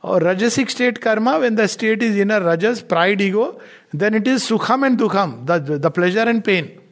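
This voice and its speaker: A man's voice: high voice, expressive, normal speed. An Indian-accented man giving an informal spiritual discourse as a teacher, emphatic and digressive, repeating phrases for stress and moving between quotations and his own commentary.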